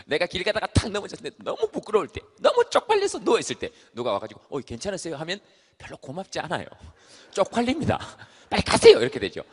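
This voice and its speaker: A man giving a comedic stage talk to a live audience, an animated storyteller who acts out the voices he quotes. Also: sits high, fast, breathy edge. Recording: long hall reverb.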